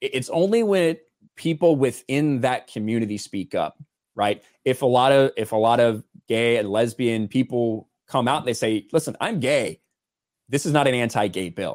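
A man with an American accent and a plain, everyday voice speaks at a moderate pace and a medium pitch with lively intonation. The sound is dry and close with no echo. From US Midwest (Indiana). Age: 30s. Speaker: navy veteran and YouTube commentator. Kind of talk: interview.

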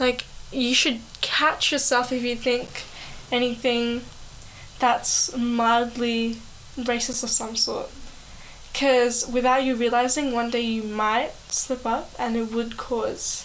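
Noticeable background noise sits behind a woman who speaks very slowly in a high, flat monotone, leaving long pauses often. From Australia. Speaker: podcast guest. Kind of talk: casual chat.

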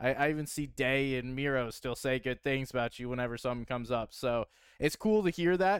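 An ordinary speaking voice from a man, medium in pitch and fairly quick in pace, on a very clean recording with a silent background. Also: ordinary pitch variation. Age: 20s. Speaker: podcast host. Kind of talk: casual chat.

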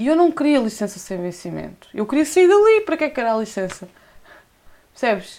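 A woman's high voice, dark and mellow in tone, moves through very wide pitch swings. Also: fairly quick pace. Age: 30s. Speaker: nurse. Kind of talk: casual chat.

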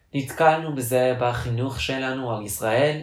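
Speaking very slowly, a man with an English accent holds a medium pitch. Audible room echo surrounds his voice. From US Midwest, Cincinnati, Ohio. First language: English (speaking Hebrew). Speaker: podcast co-host and student volunteer. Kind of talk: casual chat.

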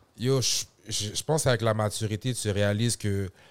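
The voice is a plain, everyday voice with ordinary pitch variation. The recording is very clean with a silent background, and the sound is dry and close with no echo. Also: man. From Montreal, Quebec. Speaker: rapper. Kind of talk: casual chat. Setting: studio.

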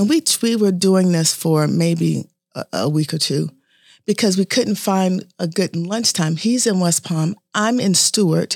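A woman with an American accent has an unremarkable speaking voice at medium pitch and ordinary pitch variation, talking at a fairly slow pace. The recording is very clean with a silent background and a dry, close sound with no echo. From Boston area, Massachusetts. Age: 50s. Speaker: personal injury lawyer. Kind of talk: casual interview conversation.

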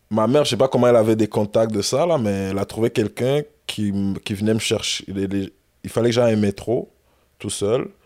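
This man has an unremarkable speaking voice, fairly low in pitch, delivered at a fairly quick pace with fairly even intonation on a very clean recording with a silent background. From Montreal, Saint-Léonard. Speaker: rapper. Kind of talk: casual interview.

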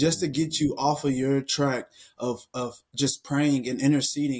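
Against a silent background in a very clean recording, a man speaks fairly slowly in a fairly high pitch with monotone, flat intonation. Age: 20s. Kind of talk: casual faith discussion.

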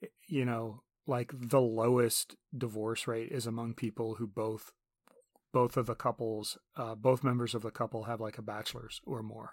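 In a very clean recording with a silent background, a man at a medium pitch talks at a moderate pace in a monotone, flat intonation. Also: dry, close sound with no echo. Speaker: podcast co-host. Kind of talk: casual chat. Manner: improvised, off-the-cuff.

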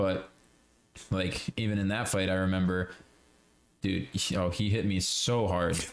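A man speaks in a very deep, low pitch with monotone, flat intonation, very even loudness and long, frequent pauses. Audible room echo and noticeable background noise fill the recording. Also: moderate pace. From Northeast Pennsylvania, Scranton. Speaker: MMA fighter and coach. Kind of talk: casual chat.

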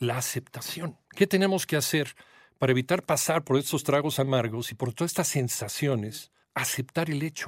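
In an unremarkable speaking voice, a man with a fairly high pitch and ordinary pitch variation talks at a moderate pace on a very clean recording with a silent background and a dry, close sound with no echo. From Mexico. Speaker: radio news host. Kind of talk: radio interview.

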